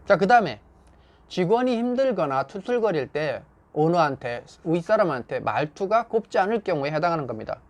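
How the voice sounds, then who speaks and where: Male instructor, high and lively pitch. Calm, patient explanations with acted-out examples. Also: brisk. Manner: explains patiently, then acts out example lines in a raised, lively voice. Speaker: salon staff communication instructor. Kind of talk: lecture on workplace phrasing.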